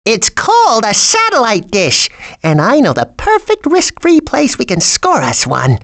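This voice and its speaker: A woman's voice: a little high, wildly swooping pitch, a little slow, full character voice. A woman voicing a cocky, scheming small bird in a video game, with a folksy, boastful, know-it-all manner. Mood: confident, scheming. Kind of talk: animated video game character acting.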